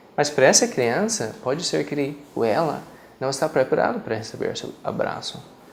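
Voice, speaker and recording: An American accent from a man, fairly high pitch with very wide swings, moderate pace. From United States. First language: English (speaking Portuguese). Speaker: children's shelter director. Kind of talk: interview.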